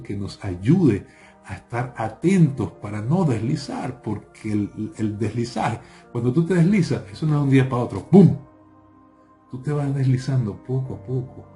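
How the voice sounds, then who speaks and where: A man teaching a sermon as a rabbi, emphatic and full of rhetorical questions, repeating key phrases. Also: medium pitch. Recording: faint music bed under voice. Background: soft instrumental worship music.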